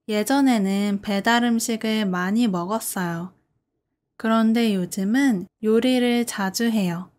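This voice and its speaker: A woman's voice: a little high, darkish tone. A woman language teacher delivering a scripted beginner listening lesson in short, simple, carefully separated sentences. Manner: careful, simple phrasing with clear sentence breaks.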